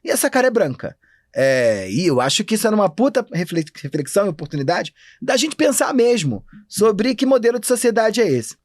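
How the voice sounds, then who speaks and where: Fast-talking animated Brazilian man, high voice. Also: no room sound, studio quality. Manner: animated, talks fast and thinks aloud. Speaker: anthropologist guest. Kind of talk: casual podcast interview.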